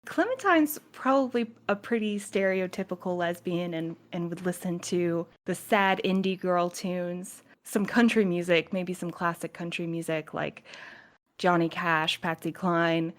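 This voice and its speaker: A woman's voice: on the low side, measured pace. A woman in a podcast cast, chatting casually and playfully with the others. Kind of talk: casual panel chat.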